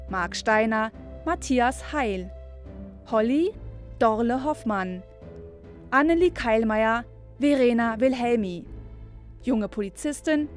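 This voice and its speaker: Unhurried woman reading credits over music. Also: on the high side. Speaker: credits announcer. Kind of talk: scripted announcement, reading credits.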